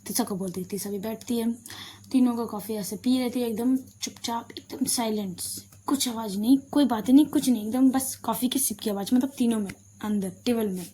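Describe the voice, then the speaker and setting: A woman's voice: a little high, a little fast, mellow, a little hiss or hum. A woman narrating a love story casually, chatty and informal with fillers. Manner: chatty, addresses listeners as "bhai".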